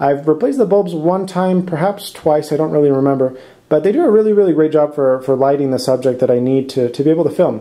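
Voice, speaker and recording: Against a quiet background, a man speaks at a very fast pace with hardly any pauses. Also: ordinary pitch variation. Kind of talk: casual tour narration. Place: office. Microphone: phone near.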